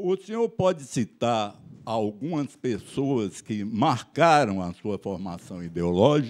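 Very slowly and with hardly any pauses, a man talks with very wide pitch swings. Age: 60s. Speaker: judge and truth committee coordinator; judge. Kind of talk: formal interview questioning. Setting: legislative assembly hearing. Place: meeting room. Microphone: handheld.

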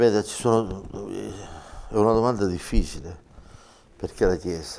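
A man with a fairly low voice speaks very slowly, with ordinary pitch variation. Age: 70s. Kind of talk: interview. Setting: bishop's residence. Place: office. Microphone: lapel.

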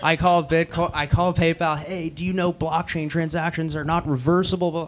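A high-pitched man at a moderate pace, with monotone, flat intonation and light background noise. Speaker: cryptocurrency exchange founder; panelist. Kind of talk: panel discussion. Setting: stage with audience. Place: meeting room. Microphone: handheld.

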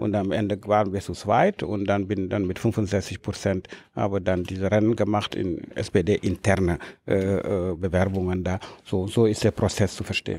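A man's fairly low pitch and dark, mellow tone, at a fairly slow pace with fairly even intonation, in a dry sound with no echo. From Senegal. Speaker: member of parliament; politician interviewee. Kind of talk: interview. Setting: office in parliament building. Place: hall. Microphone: handheld.

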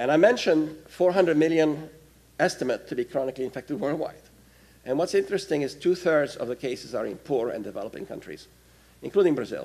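This man talks at a very fast pace with lively intonation and a fairly high pitch. His voice carries vocal fry. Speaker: professor and drug researcher; professor. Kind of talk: lecture. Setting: stage with audience. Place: hall. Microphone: podium.

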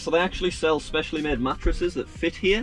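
Faint music sits in the background as a man talks at a fairly quick pace. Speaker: car vlogger. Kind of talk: casual vlog chat. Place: car.

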